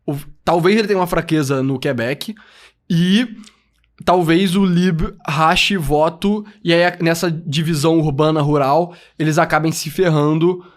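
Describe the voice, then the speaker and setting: A man's voice: on the high side, moderate pace. Casual man talking politics. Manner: explains news from charts, loose and joking. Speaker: podcast co-host.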